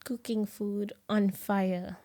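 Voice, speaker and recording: A young South African woman co-hosting a podcast in casual chat, animated, laughing often and sometimes dropping to a whisper. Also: medium pitch, takes it slowly. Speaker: podcast co-host.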